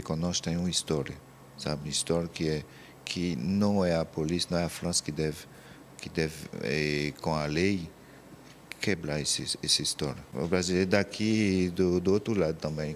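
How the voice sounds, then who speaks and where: Low voiced guy in an interview, stops and restarts a lot, faint room noise. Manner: halting, restarts often. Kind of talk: interview soundbite.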